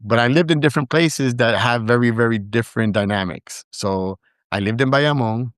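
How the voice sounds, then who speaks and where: A man's voice: mid-range voice, moderate pace, clean tone, no room sound, clean studio sound. A man from Brooklyn who grew up partly in Puerto Rico and spoke Spanish first, telling stories as a podcast guest with lots of fillers and restarts. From Brooklyn, New York, with years in Puerto Rico. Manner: rambling, frequent fillers and restarts. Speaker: podcast guest, digital media founder. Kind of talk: casual storytelling interview.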